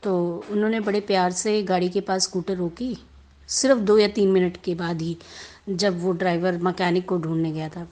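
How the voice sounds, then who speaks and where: Her voice lowish and warm, a woman tells a devotional testimony at a moderate pace with fairly even intonation. The delivery is casual and chatty, Hindi sprinkled with English words and frequent sentence restarts.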